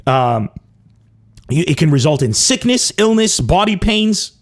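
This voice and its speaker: Animated comic man from Lebanon. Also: measured pace. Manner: animated, mock-dramatic swings in pitch and pace. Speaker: comedy podcast host. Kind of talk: comic monologue.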